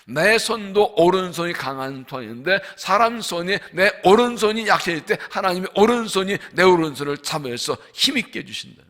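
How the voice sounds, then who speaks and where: Bright, lively Korean pastor preaching. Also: male voice, high-pitched. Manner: emphatic, asks the congregation questions; repeats scripture lines with slow emphasis. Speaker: senior pastor. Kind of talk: dawn revival sermon. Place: church sanctuary.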